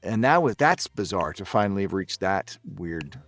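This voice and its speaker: A man's voice: deep voice, big pitch swings, normal speed, a bit bright, no room sound, soft background music. A man speaking as a guest voice actor in a casual podcast chat, hesitant and meandering, a little self-deprecating.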